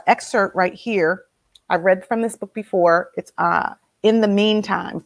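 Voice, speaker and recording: A woman host with a slightly nasal voice, leading a casual motivational talk and asking her listeners many questions. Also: mid-range voice.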